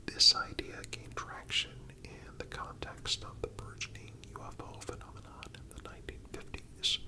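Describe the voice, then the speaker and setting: A narrator speaking entirely in a breathy whisper, reading a scripted story in ASMR style with deliberate, measured phrasing. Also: poor audio.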